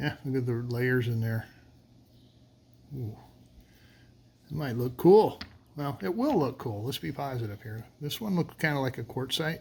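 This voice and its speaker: A man's medium-pitched, somewhat breathy voice at a moderate pace, with ordinary pitch variation and long, frequent pauses. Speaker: rock cutting channel host. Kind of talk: casual tutorial narration. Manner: casual, hesitant with fillers.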